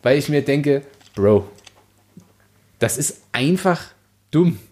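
A man's voice: on the high side, animated, slow, darkish tone. A young man, co-hosting a podcast and discussing a book casually in an emphatic, slangy, exasperated way. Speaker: podcast co-host. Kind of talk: casual opinionated book discussion with read-out quotes.

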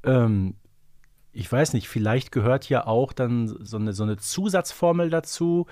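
A man's voice: medium pitch, measured pace, warm tone, no echo. Man podcast co-host, dry close sound. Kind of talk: casual podcast discussion.

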